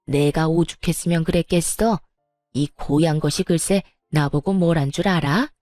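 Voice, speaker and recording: A spiteful older mother-in-law scolds and mocks in a storybook drama, as a woman narrator voices her. Her voice sits warm and mellow, recorded dry and close. Faint music plays underneath. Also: low-pitched, fairly even intonation, moderate pace, dry recording, natural voice. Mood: scolding. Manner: sneering, bullying, sarcastic.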